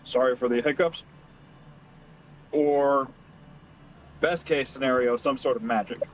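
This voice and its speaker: A man's voice: mid-range voice, a little fast, slight background noise, poor audio. Explaining male tabletop player. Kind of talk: in-character tabletop role-play.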